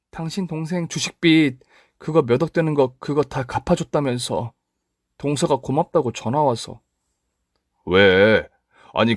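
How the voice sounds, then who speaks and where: A man's voice: medium pitch, no echo, clean studio sound, pitched above the performer's own voice, lightly acted. A man playing an arrogant businessman husband who snaps condescendingly at his wife. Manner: irritated, condescending, snapping.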